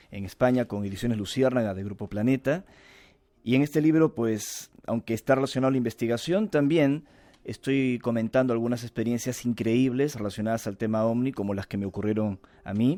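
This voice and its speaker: With a Lima accent and a dark, mellow tone, the speaker moves at a fairly quick pace with ordinary pitch variation on a very clean recording with a silent background. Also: man, medium pitch for a man. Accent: Lima Peruvian Spanish. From Peru, Lima. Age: 40s. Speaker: author and UFO researcher. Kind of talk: interview.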